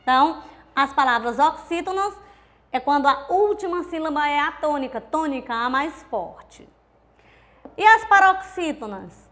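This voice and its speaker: A woman with a Brazilian accent teaches a grammar lesson in a high, clear voice. She explains step by step, drawing words out and counting syllables aloud. She keeps asking the class rhetorical questions. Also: expressive, unhurried, a bit bright. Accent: Brazilian Portuguese. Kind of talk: recorded grammar video lesson.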